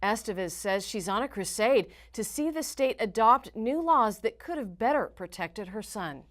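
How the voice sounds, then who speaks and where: A woman's voice: mid-range voice, animated, moderate pace. A woman with an American accent reading scripted news in a formal, emphatic newsreader delivery. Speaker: news reporter and anchor.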